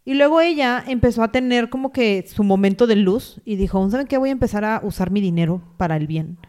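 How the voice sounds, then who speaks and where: A woman co-hosting a podcast in casual chat, reacting with quick gasps and playful comments. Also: medium pitch, expressive, a little mellow. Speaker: podcast co-host.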